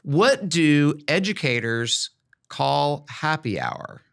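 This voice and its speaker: A man's voice: fairly high pitch, animated, takes it slowly, vocal fry, a bit bright. American man hosting an educational podcast. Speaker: podcast host, former school principal. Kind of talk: conversational educational podcast talk.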